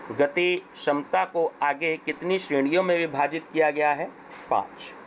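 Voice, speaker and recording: A hoarse man with an Indian accent, teaching as he goes through an exam paper question by question. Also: on the high side, slight background noise, rough recording. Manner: slow, deliberate question-and-answer reading.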